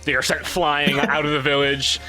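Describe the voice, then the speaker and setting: Bright-voiced man narrating dramatically. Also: a little high, flat delivery, moderate pace. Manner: dramatic narration, often laughing. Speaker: game master. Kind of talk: narrating a tabletop game. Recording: faint music behind.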